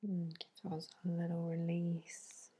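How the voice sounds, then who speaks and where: A woman whispering a soothing, unhurried ASMR massage narration in a hushed, breathy bedtime voice. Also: fairly low pitch, monotone. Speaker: facial massage therapist.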